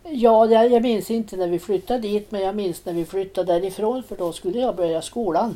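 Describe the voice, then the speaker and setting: With a dark, mellow tone and a medium pitch, a woman talks at a moderate pace with ordinary pitch variation and hardly any pauses. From Jämtland, Sweden (Storsjö). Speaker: rural villager, retired. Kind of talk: casual interview. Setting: living room at home.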